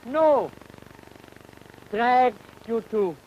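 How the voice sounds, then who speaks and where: A man explains a science demonstration at a slow, careful pace. He phrases things haltingly, like a lecturer thinking aloud. The sound is a noisy old 1950 educational film soundtrack. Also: very high voice, expressive, lo-fi sound. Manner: halting, deliberate phrasing with rhetorical questions.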